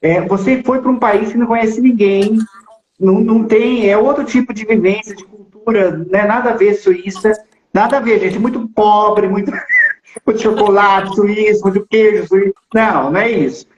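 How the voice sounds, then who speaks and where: A man hosting a casual live interview in a relaxed, joking way. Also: sits high, moderate pace, a little hiss or hum. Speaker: host interviewer. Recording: roomy, dull lo-fi sound.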